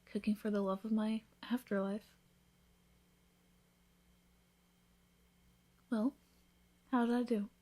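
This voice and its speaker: A woman voicing an affectionate, teasing newlywed vampire in an intimate, soft-spoken ASMR roleplay, with tender, breathy delivery. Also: mid-range voice. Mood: playful, proud.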